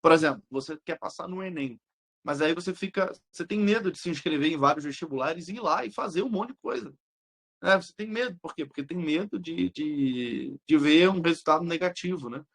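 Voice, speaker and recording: A young man with a Brazilian Portuguese accent, an exam-prep teacher talking casually with his students, blunt, slangy and quick to swear. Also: a little high, vocal fry. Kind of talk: casual live chat answering students.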